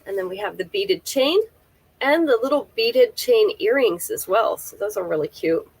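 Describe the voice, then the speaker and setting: A woman's voice: medium pitch, lively intonation, normal speed, breathy edge, poor audio. A woman with a stuffy nose, chatting through a live jewelry sale and describing each piece in careful detail to a close-by camera. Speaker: online jewelry seller.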